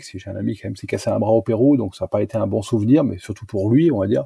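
A dark, mellow, somewhat breathy tone with ordinary pitch variation at a fairly quick pace, on a very clean recording with a silent background and a dry, close sound with no echo. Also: man. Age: 40s. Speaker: mountain bike traveller and publisher. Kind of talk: interview. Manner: halting.

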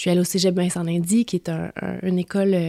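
At a very fast pace, a woman with a medium pitch and a dark, mellow tone speaks in a monotone, flat intonation, the sound dry and close with no echo. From Quebec, Rosemère. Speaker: musicology professor. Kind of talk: casual chat.

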